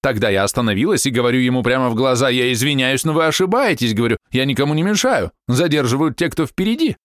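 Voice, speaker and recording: A man voicing a quarrelsome woman in her forties, shrill and indignant as she nags and complains. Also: expressive, fast talker, no echo, clean studio sound, natural voice. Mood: aggrieved ranting.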